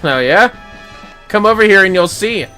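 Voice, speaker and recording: A man's voice: sits high, lively intonation, normal speed, bright, forceful tone, faint music behind. A man livestreaming a game with casual, cocky, sweary commentary. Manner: sweary, cocky trash talk.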